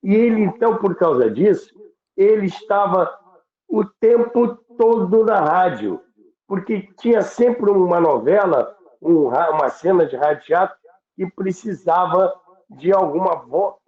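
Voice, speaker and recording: A man's voice: sits high, lively intonation, measured pace. A man with a Brazilian accent telling stories conversationally as a radio history commentator, stressing points through repetition and lists. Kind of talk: conversational storytelling. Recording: thin phone-like sound, roomy echo.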